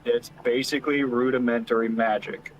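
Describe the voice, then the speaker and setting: A man's voice: mid-range voice, fairly even intonation, moderate pace, highs cut off. A man playing a tabletop game in character, explaining things at length with some hesitant restarts. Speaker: player. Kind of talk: in-character tabletop role-play.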